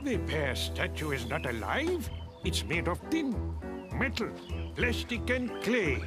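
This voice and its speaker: A man's voice: high voice, huge pitch swings, slow pace, full character voice. An actor playing a pompous, officious, no-nonsense man in authority in a cartoon. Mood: scornful. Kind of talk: animated cartoon character acting. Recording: loud music under the voice.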